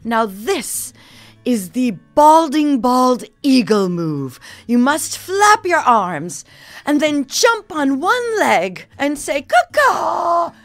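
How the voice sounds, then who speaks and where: A woman's voice: high voice, big pitch swings, slow, dry recording, exaggerated voice. A woman playing an earnest, gullible, dreamy small-town clerk with an effusive manner in an improvised radio drama. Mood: instructing, eager. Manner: effusive, gushing.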